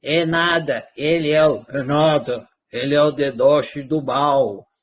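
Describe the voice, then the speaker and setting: A man putting on a squabbling male finger puppet in a disguised deep voice, pushed well below his own pitch. He speaks slowly and deliberately, with a stagey, playful bickering. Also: steady tone. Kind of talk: playful demonstration in a talk.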